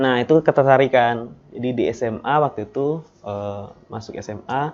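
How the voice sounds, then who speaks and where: This man speaks at a moderate pace in a medium pitch, with ordinary pitch variation. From West Sumatra, Padang Panjang. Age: 20s. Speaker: radio broadcaster, doctoral student. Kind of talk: talk show interview. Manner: hesitant, many fillers.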